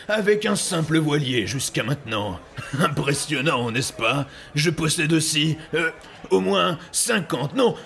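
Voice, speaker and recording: A man playing a boastful, luckless pirate captain in an audio drama, with a gravelly voice and a pompous, theatrical delivery. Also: on the high side, fairly bright tone, exaggerated voice. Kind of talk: French audio drama acting.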